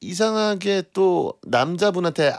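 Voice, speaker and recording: Man, late 20s, slightly high voice, lively swooping intonation, radio DJ, polite teasing banter, studio mic. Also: unhurried. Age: late 20s to around 30. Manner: polite, playful teasing of co-host. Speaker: radio guest DJ and comedian. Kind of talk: casual live radio banter. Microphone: close studio radio microphone.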